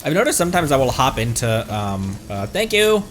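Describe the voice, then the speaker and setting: A man with a mid-pitched voice streams a game, his pitch swinging wildly as he mutters and exclaims. His commentary is casual and playful, with game music playing behind him. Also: big pitch swings, fairly quick, fairly bright tone. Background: video game music.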